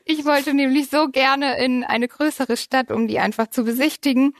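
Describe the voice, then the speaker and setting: A woman's voice: high voice, steady tone, normal speed, dry recording, clean studio sound. A woman in her early thirties from Germany, an interview guest telling a personal story in a conversational way and often laughing as she goes.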